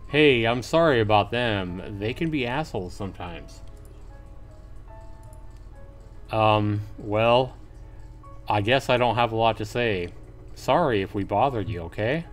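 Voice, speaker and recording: A man's voice: lowish voice, animated, a little slow. A man voices a withdrawn teenage boy from a visual novel. He is earnest and awkward, protective of others yet unsure of himself. Faint music plays behind the voice. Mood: apologetic, awkward.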